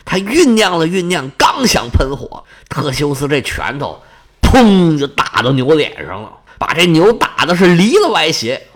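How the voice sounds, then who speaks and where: Male oral storyteller, animated and vivid, slightly high, very expressive pitch. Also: unhurried. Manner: animated, vivid sound words.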